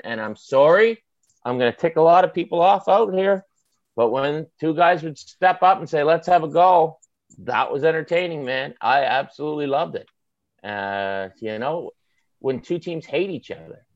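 A male author, guest on a podcast, talks sports with a Maritime Canadian accent, his voice sitting on the high side. He's emphatic, colloquial and opinionated, firing off punchy short phrases in animated chat. The recording is dry, with the highs cut off.

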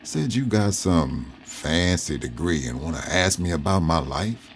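An actor playing an elderly former slave and Union veteran who is guarded, wry and folksy. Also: male voice, low voice, expressive, unhurried, slight background noise. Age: older. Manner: wary, folksy, drawling. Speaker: interviewee.

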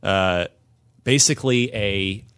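A man hosting a casual gaming podcast, talking with his co-hosts and often halting and restarting mid-sentence. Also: on the low side, smooth, no echo, studio quality. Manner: somber and halting, then lively and animated. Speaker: podcast host.

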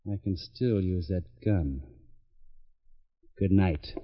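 An actor playing a tough, wisecracking homicide lieutenant who also narrates a 1950s radio drama, in dry, clipped lines. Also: male voice, low-pitched, slow. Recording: dull old radio recording with music.

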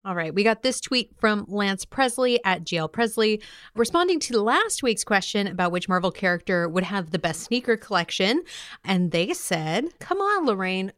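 A woman co-hosting a podcast, chatting casually and reading listener mail in a playful, expressive way. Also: medium pitch, moderate pace, no room sound, clean studio sound. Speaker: podcast co-host.

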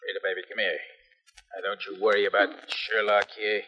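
A slick gangster club boss. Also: male voice, flat delivery, fairly quick, sharp tone. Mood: menacing. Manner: gangster slang, coaxing low menace. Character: crooked male nightclub boss with a gun, smooth menace. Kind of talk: 1950s radio drama acting. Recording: dull old transcription with long reverb.

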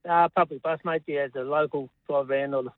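Blokey aussie working class guy calling radio, matey, laid-back talk, phone sound, voice bit high. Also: fairly even intonation, fast, dry recording. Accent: Australian, Melbourne. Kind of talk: casual chat. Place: on a call while driving home. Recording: thin phone line.

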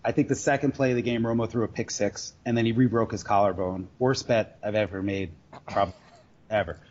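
Guy telling stories in an interview, rambly n halting, kinda muffled lofi audio. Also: lowish voice, steady tone, darkish tone, slight background noise. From Queens, New York. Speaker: sports bettor guest. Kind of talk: casual storytelling interview. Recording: dull lo-fi audio.

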